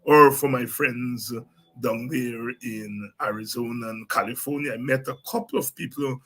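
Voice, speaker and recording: Podcast host, middle-aged man, Guyanese accent; loose, chatty delivery with a forward, slightly breathy tone. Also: mid-range voice, steady tone, normal speed, bright, forceful tone. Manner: chatty, repeats words, many ums. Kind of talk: casual monologue.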